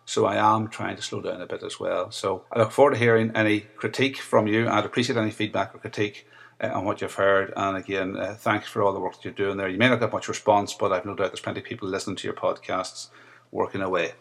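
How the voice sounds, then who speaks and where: A man with a Northern Irish accent and a deep, rough voice, leaving a hesitant recorded message for a podcast host with many fillers. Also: steady tone, quick pace, a bit bright. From Northern Ireland. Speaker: listener sending in a voice message.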